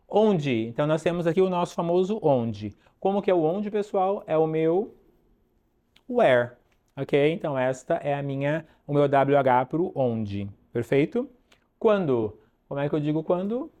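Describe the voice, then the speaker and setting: A man teaching an online English lesson, drilling pronunciation slowly and checking in with "ok?" often. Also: fairly high pitch, dark tone.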